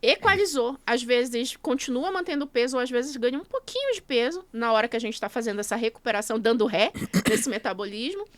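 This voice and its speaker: A woman with a fairly high voice talks as a podcast guest, laying out her points one step at a time. Her comes through in easy, casual speech. The sound is close and dry, with no room behind it. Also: expressive, fairly quick, few pauses, a bit bright, no echo. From Brazil. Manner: explanatory, walks through steps one by one. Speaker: guest, nutrition coach.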